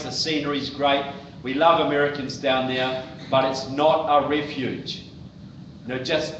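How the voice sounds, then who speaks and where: A man with a New Zealand accent addresses a crowd directly and plainly, calling out to the folks in front of him. He is recorded from far back in a roomy church hall. The sound is muffled and carries clear background noise. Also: medium pitch. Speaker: guest speaker. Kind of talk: political speech to a live audience. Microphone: far-off tablet recording.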